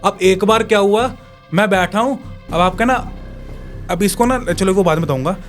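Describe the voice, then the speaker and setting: A young man, a podcast guest, telling a long personal story in casual, animated speech, with crude slang and acted-out moments of fear. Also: high voice, normal speed, soft background music.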